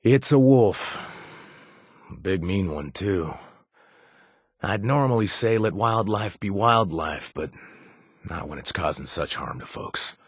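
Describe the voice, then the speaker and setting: A wisecracking wasteland quest-giver in a video game. The voice is husky and slightly breathy, with a pitch that jumps around a lot as he rambles through job briefings. It is close and dry, with no room sound. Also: expressive, slow, pauses often, no echo, full character voice. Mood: offhand briefing. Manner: chatty, rambling, punny asides. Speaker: companion character in a video game. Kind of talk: studio game voice acting.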